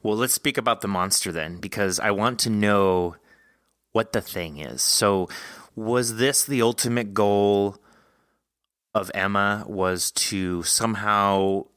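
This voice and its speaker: Male interviewer, forward bright tone, close dry sound, enthusiastic, casual discussion style. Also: on the low side, slow pace, clean tone, no room sound. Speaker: podcast host interviewing an author. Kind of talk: casual discussion of a horror story.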